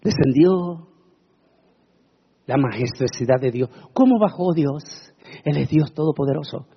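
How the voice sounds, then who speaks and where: A man preaching a sermon, dramatic and swinging into shouted proclamations. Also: a little high, expressive, a little slow, creaky, slightly rough, lo-fi sound.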